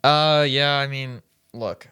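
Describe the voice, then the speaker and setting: A man's voice: mid-range voice, fairly even intonation, slow, pushed and bright, clean tone. A man in his thirties from Tennessee, co-hosting a podcast in a casual, rambling way, often breaking off mid-sentence. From Nashville, Tennessee. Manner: rambling, self-interrupting, amused. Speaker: podcast co-host. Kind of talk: casual chat.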